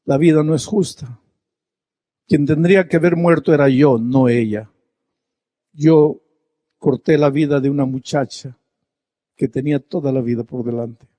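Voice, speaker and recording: A man voicing a grieving, remorseful middle-aged man who speaks low, hushed and halting. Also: no echo, lightly acted. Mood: grief-stricken.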